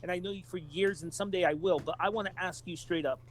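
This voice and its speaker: A man's voice: high voice, fast talker, a little hiss or hum. A man from the United States co-hosting a podcast, talking casually about video games and putting questions to his partner. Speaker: podcast co-host.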